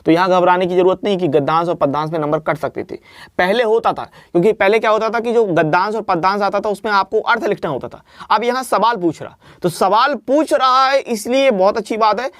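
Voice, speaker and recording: A man's voice: sits high, fairly quick, fairly bright tone, dry recording, studio quality. A man teaching an exam-prep lesson, explaining answers step by step and often checking in with the listener. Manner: explanatory, repeats "ठीक है ना" often.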